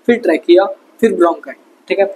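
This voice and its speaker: A man teaching a fast exam revision lesson, casual and chatty, asking quick questions and answering them himself. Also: high-pitched, a little mellow, slightly rough, low-quality recording. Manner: quizzes himself with quick call-and-response questions. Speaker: science tutor.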